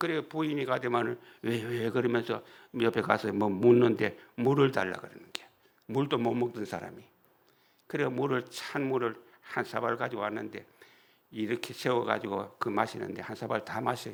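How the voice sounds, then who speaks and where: A man with a Gyeongsang accent, medium pitch, an animated tone and a moderate pace. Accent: Gyeongsang Korean dialect. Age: old. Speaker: pastor. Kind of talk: sermon. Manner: animated storytelling.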